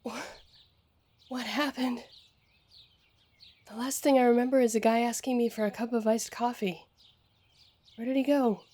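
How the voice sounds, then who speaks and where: Audio-drama best friend, actress: confused, soft-toned, slightly high voice. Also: female voice, steady tone, normal speed, long pauses, close to an everyday voice. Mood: dazed, puzzled. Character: confused female friend of the author. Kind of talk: fantasy audio drama acting.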